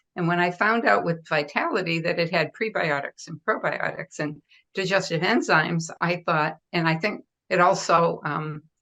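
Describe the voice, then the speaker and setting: A woman's fairly low voice has a bright, sharp tone, ordinary pitch variation, and a moderate pace. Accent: American. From Boston area. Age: 70s. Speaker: business partner giving product testimonial. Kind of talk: testimony. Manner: halting.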